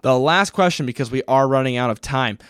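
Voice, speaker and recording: Casual podcast host, middle-pitched, answering listener questions in a dry close-miked room. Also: male voice, fairly quick, a bit bright, clean tone, no room sound. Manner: casual, chatty, thinking aloud with fillers. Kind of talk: solo Q&A podcast.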